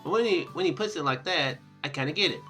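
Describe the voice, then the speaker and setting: A man giving casual gameplay commentary in a halting, rambling, self-deprecating way. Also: on the high side, animated, bright, forceful tone, faint music behind. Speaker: let's player. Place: indoor room at home.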